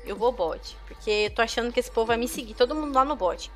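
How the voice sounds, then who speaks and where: A young Brazilian woman chatting casually with viewers while streaming a game, with excitable outbursts. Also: fairly high pitch, quick pace, soft background music. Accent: Brazilian Portuguese. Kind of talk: casual gameplay commentary.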